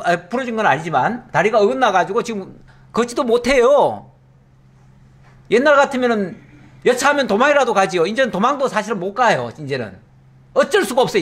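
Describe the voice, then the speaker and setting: A man's voice: high-pitched, sing-song, a little fast, a bit bright, breathy edge. A middle-aged male pastor giving a Bible exposition, telling the story with animation and acting out the characters' lines.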